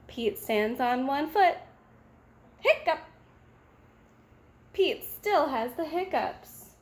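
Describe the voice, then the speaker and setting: A woman reading a picture book aloud to children in an expressive, sing-song manner. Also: high voice, extremely slow, slight background noise. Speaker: storybook reader.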